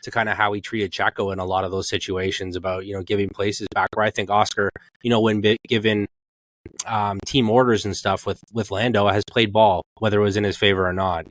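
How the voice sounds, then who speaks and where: Man, lowish pitch, dry recording, podcast co-host, casual sports chat, colloquial and rambling. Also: fairly bright tone, no room sound, poor audio. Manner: colloquial, rambling, acts out imagined quotes.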